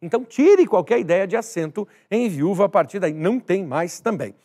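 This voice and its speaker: A man's voice: high voice, animated, normal speed, mellow, breathy edge. A man teaching a recorded exam-prep grammar lesson, emphatic, repeating key words and speaking straight to the viewer.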